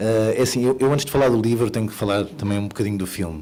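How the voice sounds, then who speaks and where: Audible room echo surrounds a man's fairly low voice. His pitch varies in an ordinary way. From Portugal. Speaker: documentary film director. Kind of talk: book presentation talk. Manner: fast.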